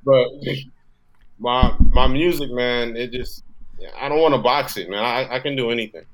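A man from Texas, a guest musician talking casually on a podcast, relaxed and profane, often restarting his words. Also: medium pitch, normal speed, low-quality recording.

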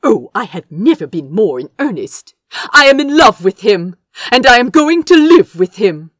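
A woman's voice: fairly high pitch, sing-song, normal speed, no room sound, clean studio sound, voice pushed up. A woman voicing an earnest, indignant young prince in an audiobook, speaking firmly with precise, emphatic phrasing. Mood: earnest, defiant. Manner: firm, precise, emphatic speech. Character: young man, earnest, indignant prince defying his brother. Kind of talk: dramatic audiobook character dialogue.

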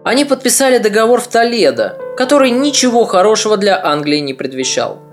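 A man narrating a history podcast in a measured, slightly ironic, scripted storytelling way. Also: high-pitched, very animated, soft background music.

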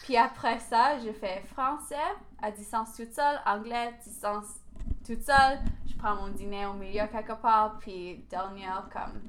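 A teenage girl from Alberta, a student whose first language is English, answering interview questions in a relaxed way with many fillers. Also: medium pitch, measured pace, slight background noise. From Alberta, Canada. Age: teens. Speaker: student guest.

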